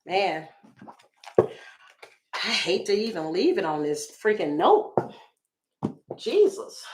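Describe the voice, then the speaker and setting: A woman with a slightly raspy voice, chatting through a tarot reading for her viewers with exclamations and asides. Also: mid-range voice, big pitch swings, takes it slowly, darkish tone. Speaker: tarot reader.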